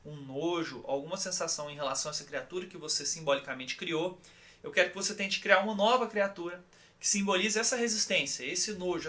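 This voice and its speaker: A Brazilian man leads an online course lesson in a calm, guiding manner. His voice sits a touch higher than most men's and has a bright, forward edge. He often pauses to check in with listeners. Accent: Brazilian Portuguese. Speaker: course instructor.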